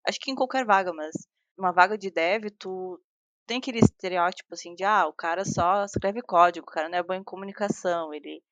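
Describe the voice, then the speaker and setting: A woman, a software engineer talking casually as a guest in an interview, with many restarts and fillers. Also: fairly low pitch, fast, no echo. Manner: chatty, frequent restarts and fillers, laughs while talking.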